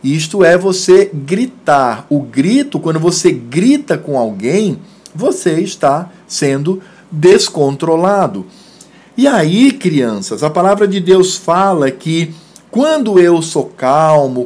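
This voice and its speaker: Slow, patient Brazilian pastor. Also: male voice, fairly high pitch, a little mellow. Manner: slow, patient, explains terms to children. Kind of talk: children's sermon.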